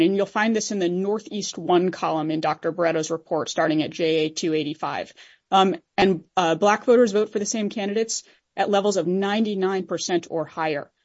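A woman's voice: mid-range voice, a little mellow, lo-fi sound. A woman lawyer making a formal, technical oral argument to judges in an assertive way. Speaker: appellate lawyer.

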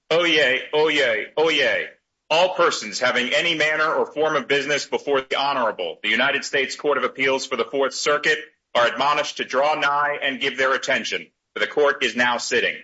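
A man opens court as its crier, calling out a formal proclamation like a town crier. His voice is bright and forceful, at a middling pitch. The courtroom recording is somewhat dull. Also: normal speed.

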